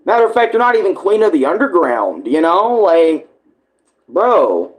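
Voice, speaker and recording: A man's voice: high-pitched, very animated, normal speed. A man giving casual live reaction commentary, rambling bluntly and informally with heavy swearing. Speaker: reaction streamer.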